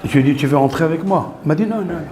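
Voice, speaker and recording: A man, a rabbi, recounting a story in an animated teaching style, mixing in Hebrew terms. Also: a little high, racing. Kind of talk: storytelling Torah lesson. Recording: echoey room with faint noise.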